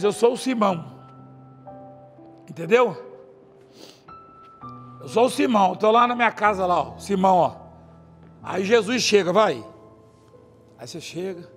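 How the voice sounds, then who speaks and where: A middle-aged man preaching a chatty, animated sermon in a large church, acting out scenes and laughing often. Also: high-pitched. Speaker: apostle, preacher. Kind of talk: conversational sermon. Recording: reverberant church hall with faint music.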